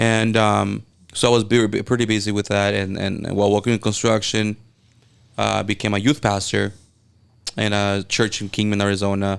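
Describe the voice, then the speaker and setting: In a strong Mexican accent, a man speaks at a moderate pace with a fairly low pitch and monotone, flat intonation, on a very clean recording with a silent background. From Mexico, Puerto Peñasco, Sonora. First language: Spanish. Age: 30s. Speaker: videographer and content creator. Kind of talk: podcast interview. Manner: halting, many repetitions and restarts.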